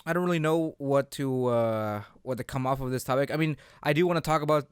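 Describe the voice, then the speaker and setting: A man's voice: mid-range voice, fairly quick, clean tone, dry recording, studio quality. A man co-hosting a casual podcast chat, talking hesitantly and often searching for his words. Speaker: podcast co-host.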